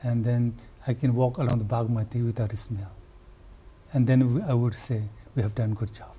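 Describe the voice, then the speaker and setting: In a medium-pitched, steady voice that is mellow and husky, an older Nepali man who works in conservation answers an interviewer. He speaks earnestly but haltingly, with a Nepali accent, restarts, and fillers.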